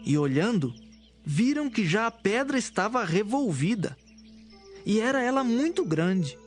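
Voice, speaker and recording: Male Bible narrator, slightly high voice, reading a script over background music. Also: sing-song, unhurried. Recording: music behind the voice.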